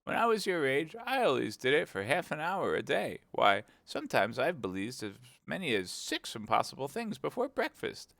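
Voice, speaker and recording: A man voicing a flustered, fussy old White Queen in a high, fluttery falsetto. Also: huge pitch swings, moderate pace, creaky, few pauses, fairly bright tone, dry recording, heavily acted. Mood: pitying.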